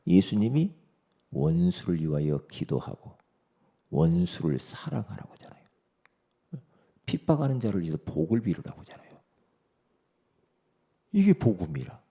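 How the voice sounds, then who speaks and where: Gravelly-voiced pastor preaching with big swings. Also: male voice, deep voice, big pitch swings, normal speed, long pauses. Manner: swings from loud exclamations to hushed whispers; asks the congregation rhetorical questions. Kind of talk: dawn prayer sermon.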